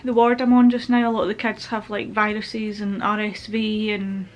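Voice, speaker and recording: A woman's voice: mid-range voice, little pitch movement, normal speed. A young woman giving a candid, meandering personal update to camera at home, a little stuffy-nosed from a cold. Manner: open, meandering, with frequent fillers. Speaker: vlogger. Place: at home, with pet rabbits nearby.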